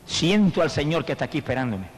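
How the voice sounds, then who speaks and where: A man's voice: a little high, very animated, quick pace, husky, long reverb tail. A preacher voicing a dying mother's farewell. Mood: tender. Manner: tender, solemn.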